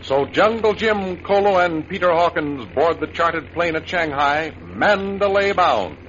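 A male announcer narrating and reading sponsor copy in smooth, measured 1930s radio announcer style. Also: on the high side, lively intonation, background noise. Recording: dull old radio recording with music.

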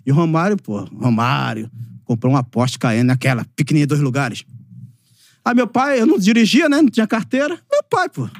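A man in his fifties from Brazil, a former footballer and podcast guest, telling lively anecdotes in a casual chat, acting out quoted voices and laughing often. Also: on the high side, a little fast, dry recording, clean studio sound.

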